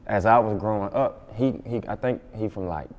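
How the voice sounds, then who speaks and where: Low voice southern black guy from alabama chatting in an interview, says like a lot, kinda muffled audio. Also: moderate pace. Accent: Southern Black American, Alabama. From Montgomery, Alabama, USA. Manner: informal, repetitive, says 'like' often. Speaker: interview guest, rapper. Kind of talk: casual conversational interview.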